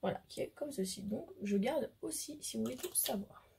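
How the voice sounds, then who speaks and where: A hoarse woman with a French accent, a beauty vlogger chatting casually to camera, hesitant and full of fillers. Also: fairly high pitch, animated, moderate pace, mellow. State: hoarse, losing her voice. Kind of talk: casual makeup haul chat to camera.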